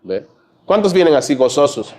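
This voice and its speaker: A Peruvian man preaches from the pulpit of a church, speaking in a somewhat high voice. He talks to the congregation in a chatty way, checking in with little asides between his points. The pastor keeps it plain and direct. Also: very animated, normal speed, a little mellow. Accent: Peruvian Spanish. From Peru. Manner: conversational preaching, frequent "¿ve?" and "¿no?" asides. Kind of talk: sermon. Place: church sanctuary.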